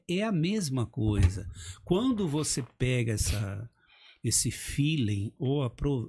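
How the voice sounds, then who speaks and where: Middle-aged male speaking coach, emphatic and animated, lively pitch, slightly husky tone. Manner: animated, emphatic, acts out examples. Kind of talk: casual podcast chat.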